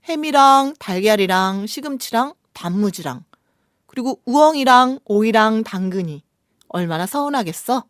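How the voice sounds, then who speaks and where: Woman radio host with lively intonation. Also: on the high side, no echo, studio quality. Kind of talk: scripted poem reading and relaxed book chat.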